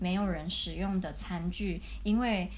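A woman speaks with a Chinese accent. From Taiwan. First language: Mandarin Chinese. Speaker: podcast co-host. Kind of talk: bilingual summary.

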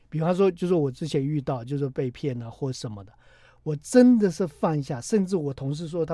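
A man speaks at a fairly quick pace, his pitch fairly high and his intonation lively. His tone is dark and mellow, with big swings in loudness. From Tibet. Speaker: doctor and author. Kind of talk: book interview.

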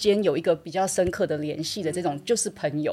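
On a very clean recording with a silent background, a woman talks at a very fast pace, her fairly low pitch moving with lively intonation. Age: 30s. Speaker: human design analyst. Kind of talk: interview.

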